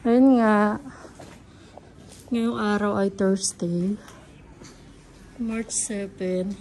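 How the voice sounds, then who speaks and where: A Filipino woman chatting casually as a family vlogger and mother, mixing in Japanese and English words. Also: dark tone. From Philippines. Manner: talks to her children in between narrating, mixing in Japanese and English words. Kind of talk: casual vlog chat. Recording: noisy home-video sound with ambient rumble.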